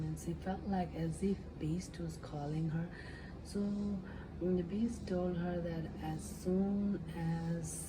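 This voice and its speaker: A woman speaks softly in an ASMR storytelling style, unhurried and on the low side. Her delivery is gentle and halting, hushed and close to whispering at times. A clear, steady noise sits behind her voice. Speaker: ASMR storyteller, channel host. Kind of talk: soft-spoken ASMR storytelling, improvised retelling of a fairy tale.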